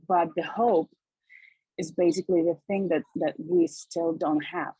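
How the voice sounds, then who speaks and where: A woman from Ukraine giving reflective comments on a video call, haltingly searching for her words. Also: fairly low pitch, fairly even intonation, warm tone, slightly rough, no echo, poor audio. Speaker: discussion participant.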